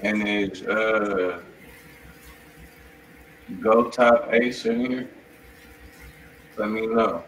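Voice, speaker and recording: A man's voice: fairly low pitch, fairly even intonation, drawn-out words, pauses often, fairly bright tone. A man hosting a music review stream in casual chat, slangy and profane. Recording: roomy, distant mic, faint noise.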